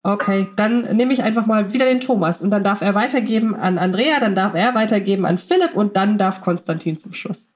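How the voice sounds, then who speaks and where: A woman's voice: mid-range voice, brisk, few pauses. A woman hosting a podcast, moderating a casual group conversation in a chatty, wordy way. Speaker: podcast host.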